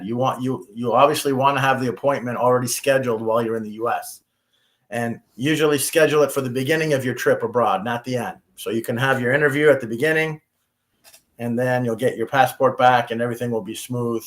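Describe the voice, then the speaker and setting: A man from the United States, an immigration attorney giving practical advice on a talk show, often restarting his sentences. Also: mid-range voice. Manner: practical, repeats himself when starting sentences.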